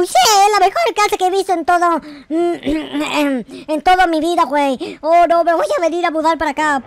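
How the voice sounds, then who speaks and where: A naive little boy character from a Minecraft roleplay. The voice is very high and childlike. He stammers, repeats himself and exclaims excitedly, all in a dry recording. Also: no room sound, exaggerated voice. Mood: curious, boastful. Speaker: gaming YouTuber. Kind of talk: improvised Minecraft roleplay commentary.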